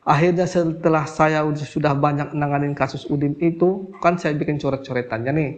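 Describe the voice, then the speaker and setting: Middle-aged male healer, interview storytelling; lively quoted voices, sinks low and soft when recalling hardship. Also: a little fast. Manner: animated, acts out quoted voices, voice drops when recalling crying. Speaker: alternative healer. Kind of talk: emotional personal storytelling.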